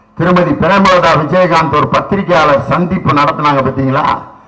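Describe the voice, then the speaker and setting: There's noticeable noise in the background. Over it, a man talks with a high-pitched voice. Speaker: political speaker. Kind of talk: comic political speech at a rally.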